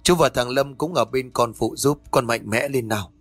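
A man voicing a gentle older uncle who comforts a grieving girl in a fatherly way. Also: medium pitch, moderate pace, breathy edge, dry recording, soft background music. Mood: soothing. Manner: soothing, fatherly.

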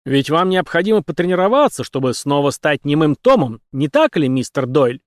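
A commanding, mocking captain of a beggars' band, put on by a male audiobook reader, raised in pitch and lively in his swings. He speaks with authority over a table of rogues, dry and close to the mic. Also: normal speed, no echo.

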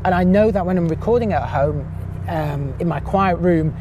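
A man with a high-pitched voice, chatting casually as a podcast guest with a self-mocking humor. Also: normal speed, highs cut off, noisy background. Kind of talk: casual chat.

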